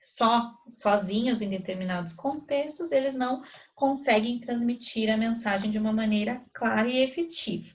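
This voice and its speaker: A woman's voice: a little high, normal speed. A woman with a Brazilian Portuguese accent teaching a recorded grammar lesson, explaining step by step and often checking whether students follow. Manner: explanatory, checks understanding with rhetorical questions.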